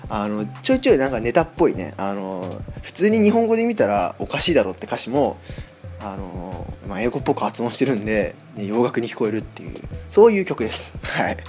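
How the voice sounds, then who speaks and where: Man, podcast host, casual solo chat, quick, animated pitch, lots of fillers. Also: faint music behind. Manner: chatty, many fillers, lively rising and falling pitch.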